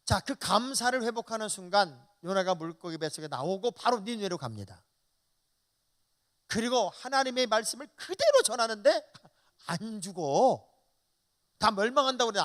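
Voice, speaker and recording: A man in his fifties preaches a revival sermon in a church. His voice sits high and swings widely in pitch as he tells folksy stories. He acts out little bits of dialogue as he goes. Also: a bit bright. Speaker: pastor.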